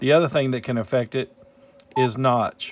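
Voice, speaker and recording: Talking at a very fast pace with ordinary pitch variation, a man is heard in a dry sound with no echo against noticeable background noise. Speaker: ham radio operator. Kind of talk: casual tutorial. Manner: informal, conversational. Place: home room. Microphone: phone near.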